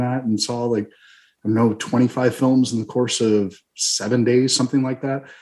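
Here a man with an American accent talks at a moderate pace and a medium pitch. His tone is dark and mellow, his intonation monotone and flat. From New Jersey, Bergen County. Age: 40s. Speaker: podcast host. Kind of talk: casual interview. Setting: video call.

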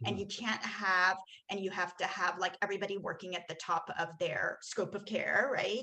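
A woman with an American accent speaks in an unremarkable speaking voice at a moderate pace, medium in pitch and with fairly even intonation. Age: 40s. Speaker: pediatrician. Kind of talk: interview.

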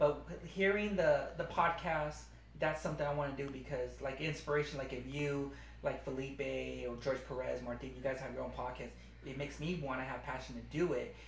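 Noticeable background noise sits under a man with an American accent talking at a fairly quick pace. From Los Angeles area, California. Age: 30s. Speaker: podcast fan and grocery store worker. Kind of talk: casual chat.

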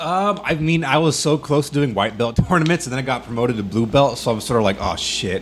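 Noticeable background noise runs throughout the clip. A man's lively intonation comes at a very fast pace. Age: 20s. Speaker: podcast co-host. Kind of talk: casual chat.

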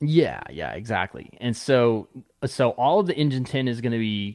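A man with a normal speaking voice, medium pitch and ordinary pitch variation, on a very clean recording with a silent background. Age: 40s. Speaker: car enthusiast. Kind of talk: casual chat.

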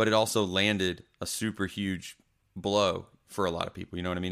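In an American accent, a man speaks at a moderate pace with a very deep, low pitch, a bright, sharp tone and monotone, flat intonation. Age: 30s. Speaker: metal vocalist and bassist. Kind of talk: casual chat. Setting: home studio, remote recording.

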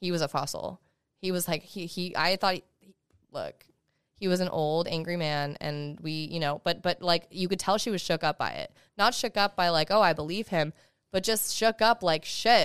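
Recorded very cleanly against a silent background, a woman speaks at a moderate pace with a fairly low pitch and ordinary pitch variation. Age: 20s. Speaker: lawyer and social media creator. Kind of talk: casual chat. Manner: loud.

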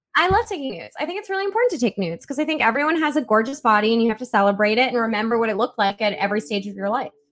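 A woman with a fairly high pitch, an animated tone and very wide pitch swings, very fast with hardly any pauses. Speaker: dating podcast host. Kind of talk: casual chat. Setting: live-streamed podcast recording. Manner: loud.

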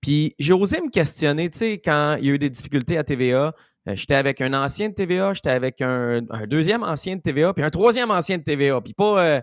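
With a normal speaking voice, a man talks at a moderate pace in a fairly high pitch with lively intonation. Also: dry, close sound with no echo. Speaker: media blogger. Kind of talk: casual chat.

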